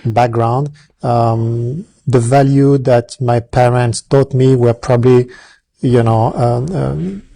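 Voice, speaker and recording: A middle-aged man with a French accent, talking as an interview guest, pausing often with many fillers and restarts. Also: medium pitch, steady tone, vocal fry, warm tone. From France. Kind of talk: casual interview.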